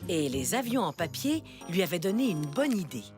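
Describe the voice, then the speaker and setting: A woman's voice: on the low side, big pitch swings, normal speed, music in the background. A woman giving scripted storybook narration for a children's cartoon.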